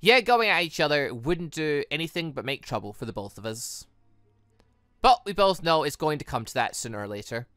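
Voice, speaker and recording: A man reads out a menacing villainess from a visual novel. She is calculating and deliberate, taunting in a controlled way, with a bright edge to the voice on a dry, close recording. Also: fairly high pitch, very animated, no echo. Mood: taunting, controlling. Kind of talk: reading game dialogue aloud.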